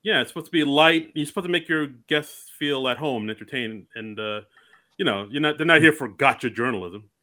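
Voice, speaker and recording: A man co-hosting a casual comedy podcast, enthusiastic and quick to laugh, often restarting his sentences. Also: mid-range voice, sharp tone. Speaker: podcast co-host.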